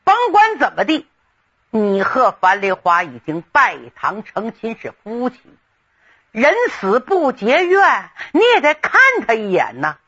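A storyteller voicing a blustering, folksy old male general with a gruff voice that drops low and breathy. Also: wildly swooping pitch, unhurried, fairly bright tone, muffled recording, exaggerated voice. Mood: coaxing. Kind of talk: traditional storytelling.

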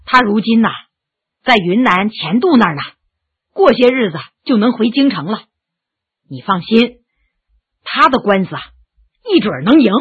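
A woman voicing a calm, kindly gentleman who talks in a gentle, measured, husky voice. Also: fairly high pitch, muffled recording, exaggerated voice. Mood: soothing.

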